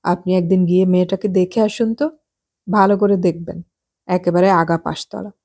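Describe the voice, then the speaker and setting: A woman voicing a nosy, gossipy well-off married woman in an audiobook, chatty and sharp-tongued. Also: fairly low pitch, fairly even intonation, normal speed. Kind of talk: audiobook character voice.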